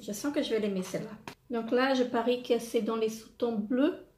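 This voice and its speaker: A woman's voice: a little high, moderate pace, a little mellow. A woman presenting makeup palettes in a casual unboxing vlog, hesitant and full of fillers and repeated words. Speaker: beauty vlogger. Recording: echoey room, faint noise. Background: wind noise.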